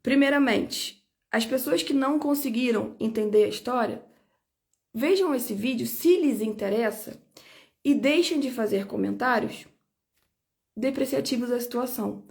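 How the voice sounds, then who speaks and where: High-voiced indignant woman. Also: unhurried, creaky. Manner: emphatic, indignant, repeats points for weight. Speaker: lawyer recounting her own detention. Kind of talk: personal video statement.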